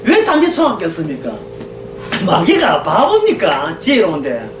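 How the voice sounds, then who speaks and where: A woman's voice: on the low side, wildly swooping pitch, normal speed, music in the background. A woman preaching a sermon, emphatic and full of rhetorical questions, often prodding listeners for agreement. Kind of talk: sermon lecture. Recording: echoey room from a distance, faint ambience.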